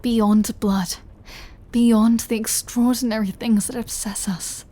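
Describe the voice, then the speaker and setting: A woman playing a centuries-old vampire lover in an intimate audio roleplay, tender and brooding, speaking softly and confidingly and often dropping to a whisper. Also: a little high, fairly even intonation, slow pace. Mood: frank, tender.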